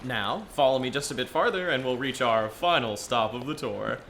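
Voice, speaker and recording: Man playing an eager, bright-voiced young Yeti guide. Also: medium pitch, moderate pace, creaky, slight background noise. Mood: proud, informative. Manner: chatty, earnest, enthusiastic explainer. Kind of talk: audio drama dialogue.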